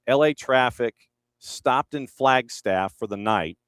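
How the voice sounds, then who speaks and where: A male radio host with a smooth, clear voice tells a story in an easygoing, chatty way. His sound is dry and close to the mic. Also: medium pitch, slow pace, a bit bright, no room sound. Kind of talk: casual radio chat.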